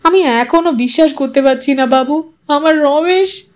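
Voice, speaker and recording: Humble village carpenter, bereaved father, played by a woman narrator: halting, deferential mumble for an audio story. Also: high voice. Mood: sobbing disbelief.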